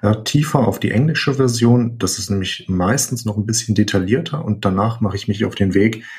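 A man's voice: lowish voice, brisk, a little mellow. A man hosting a podcast, a native German speaker who asks curious, long follow-up questions. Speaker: podcast host. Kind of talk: interview questions.

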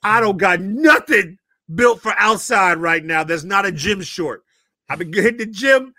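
Animated high-voiced man joking on a podcast. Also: unhurried, no room sound, clean studio sound. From northern US. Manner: animated, joking, loud bursts and laughs. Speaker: co-host. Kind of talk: casual podcast chat.

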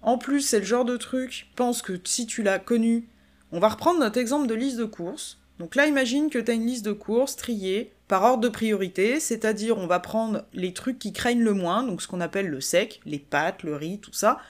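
A woman's voice: fairly high pitch, moderate pace. A woman hosting a solo podcast, explaining work methods in a chatty, informal way and talking straight to the listener. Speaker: podcast host, business coach.

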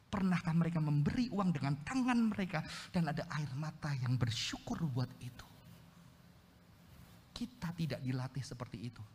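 A male pastor preaching a lively, animated delivery, his fairly high voice carrying through a big reverberant church hall. He jumps from loud exclamations to hushed, intimate stories. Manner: animated, swings between loud exclamations and quiet storytelling. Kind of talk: sermon.

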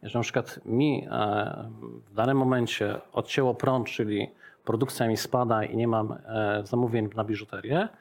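A man's voice: lowish voice, fairly even intonation, moderate pace. Chatty man explaining business ideas. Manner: chatty, explains with examples, often adds "tak?". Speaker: interview guest, business owner. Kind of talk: casual business interview.

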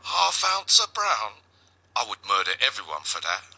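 A man voicing his younger self, an eager prisoner, in high, jumpy replies. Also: wildly swooping pitch, unhurried, vocal fry, sharp tone, breathy edge, full character voice. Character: hungry, eager male prisoner, excitable and wired.

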